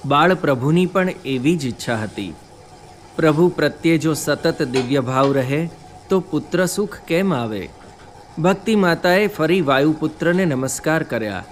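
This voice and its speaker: A man's voice: a little high, animated, a little slow, slight background noise. Solemn man narrating a devotional tale. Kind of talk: scripted devotional story narration.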